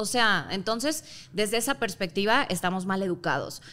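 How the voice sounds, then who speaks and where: The delivery is animated, with lively intonation. The pace is moderate. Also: woman. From Mexico. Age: 30s. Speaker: body-positivity influencer. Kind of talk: casual chat. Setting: live audience at a hotel. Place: studio. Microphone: studio mic.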